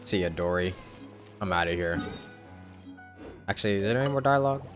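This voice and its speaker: Game streamer, man, mid pitch, lively and sarcastic, slangy. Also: brisk, music in the background. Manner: sarcastic slangy quips at the screen. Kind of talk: reacting over a game on stream.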